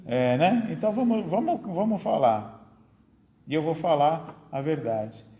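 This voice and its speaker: Slow-speaking Brazilian man in an echoey hall. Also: fairly high pitch, expressive, warm tone. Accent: Brazilian Portuguese. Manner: conversational, tags sentences with "né?", asks rhetorical questions. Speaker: lecturer at a spiritist study center. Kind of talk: spiritist lecture to an audience. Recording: echoey hall with long reverb.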